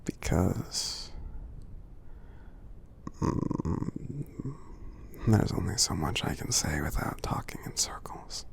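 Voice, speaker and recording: A man voicing a kindly, encouraging giant for ASMR affirmations, in a soothing, breathy, gravelly whisper. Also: sits low, full character voice. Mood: gentle, advising. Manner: slow, soothing, gently earnest. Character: kindly giant friend, gentle, reassuring, encouraging.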